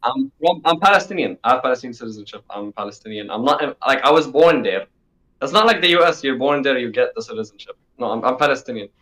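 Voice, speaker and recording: A man's voice: mid-range voice, animated, fast talker, sharp tone. A sixteen-year-old male interview guest from the United Arab Emirates, talking casually and repeating himself for emphasis, over dull call audio. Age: teens, sixteen.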